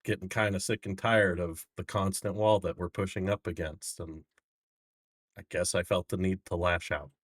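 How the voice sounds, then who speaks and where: Casting: male player as a world-weary, unrepentant fantasy prisoner, low register, blunt and resigned delivery. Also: steady tone, dry recording, studio quality. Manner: blunt, resigned, halting confession.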